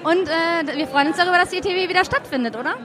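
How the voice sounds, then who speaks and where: A woman's voice: very high voice, rapid-fire. A woman speaking as a guest at a trade fair lounge, upbeat and enthusiastic. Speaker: guest, event host. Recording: crowd chatter behind.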